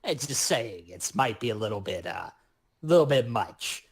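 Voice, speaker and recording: A man acts out a reckless goblin demolitionist in a tabletop game. The voice is rough and husky, mid-pitched, with a breezy, flippant, chatty delivery full of mock-fussy wisecracks. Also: lively intonation, moderate pace.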